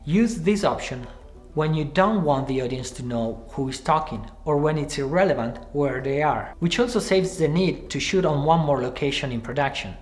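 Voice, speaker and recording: A man in his thirties presenting a scripted screenwriting tutorial to camera from a small room, speaking in a clear, measured way. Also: fairly high pitch, faint music behind. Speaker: screenwriting teacher. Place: small room with cards pinned on the wall.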